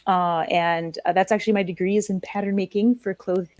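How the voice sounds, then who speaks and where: A woman's voice: medium pitch, fairly even intonation, brisk, a little mellow, dry recording. A woman teaching ukulele chords and chatting casually, explaining things plainly and patiently. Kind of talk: casual music lesson and chat.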